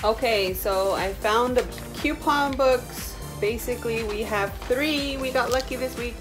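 A woman's voice: on the high side, a little slow, music in the background, rough recording. A young woman with a Native American reservation accent, talking in a casual, informal, rambling vlog style. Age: young adult. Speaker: vlogger. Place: small room indoors.

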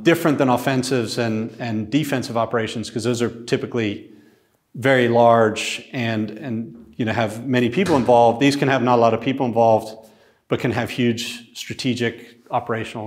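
A man in his forties giving a conversational, animated lecture to a class, recorded by a camera across a small classroom. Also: medium pitch. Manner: conversational, animated, gestures while talking. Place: classroom with a wall screen.

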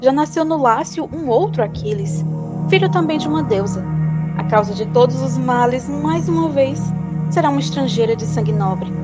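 A woman's voice: high-pitched, lively intonation, normal speed. Woman acting a solemn Brazilian prophetess, music behind. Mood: ominous. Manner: solemn, declamatory.

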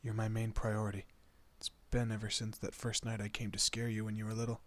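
A man playing a fiercely protective monster in a horror roleplay, with a husky, breathy voice and an intense, deliberate manner. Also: fairly low pitch, completely flat delivery, close to an everyday voice. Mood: remorseful, tender. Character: protective male monster, menacing to foes, tender to his human. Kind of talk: dramatic horror roleplay audio.

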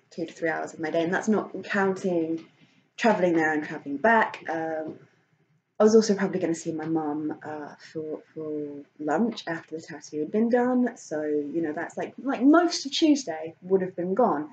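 A woman's voice: low-pitched, expressive, moderate pace, a little mellow, highs cut off, slight background noise. A woman vlogging casually, rambling with many fillers and restarts and laughing often. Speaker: vlogger and author. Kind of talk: casual chat.

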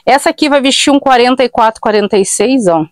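A woman's voice: a little high, fast talker, dry recording, studio quality. A woman in her thirties from Brazil, chatting casually to viewers as she shows and prices used clothes in a small shop. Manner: chatty, tag questions, addresses viewers. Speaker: online thrift shop seller. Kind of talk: casual live sales pitch. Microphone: fixed camera at mid distance.

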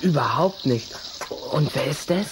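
A performer playing a shy, sulky young boy in a children's audio drama, hesitant and husky. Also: mid-range voice, expressive, measured pace, background noise, natural voice. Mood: sulky, defensive. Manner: hesitant, reluctant.

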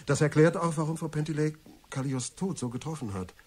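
Eager detective's sidekick, husky voice. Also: male voice, on the high side, fairly quick, darkish tone. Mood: astonished. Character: eager, excitable male sidekick of an amateur sleuth. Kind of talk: German radio crime drama acting.

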